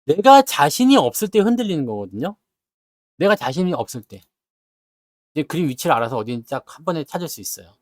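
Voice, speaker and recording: A man talks stock markets to his viewers in a blunt, scolding way, firing off rhetorical questions and mimicking their grumbles. His voice sits high and swings widely in pitch. The sound is dry and close. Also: very animated, dry recording. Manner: acts out investors' grumbling in quick asides. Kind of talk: lively market talk to viewers.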